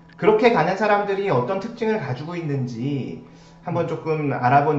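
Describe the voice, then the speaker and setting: A man talking at a fairly quick pace with very wide pitch swings, audible room echo and noticeable background noise. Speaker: doctor. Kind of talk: medical explainer interview. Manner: hesitant with many fillers.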